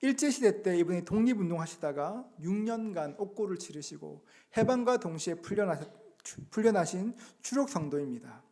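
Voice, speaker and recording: A man pastor giving a Sunday sermon, earnest and asking the congregation rhetorical questions. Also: high-pitched. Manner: gently acts out quoted words.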